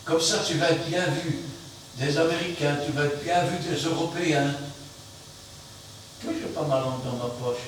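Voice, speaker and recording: A man preaching an emphatic sermon, swinging between loud outbursts and quiet asides. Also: a little high, fairly even intonation, normal speed, long pauses. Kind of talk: fiery sermon. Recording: very echoey room, mic far off, faint noise.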